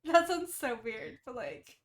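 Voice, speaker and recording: A woman chatting casually as a podcast co-host, brash and animated, swearing freely. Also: high voice, measured pace, a little hiss or hum. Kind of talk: casual chat. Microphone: headset.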